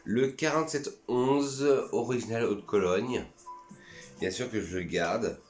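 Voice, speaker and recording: A man's voice: on the low side, a little slow, reverberant, faint music behind. A man from France chatting casually and enthusiastically in a vlog, reviewing his perfumes and sometimes talking to himself. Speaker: perfume YouTuber.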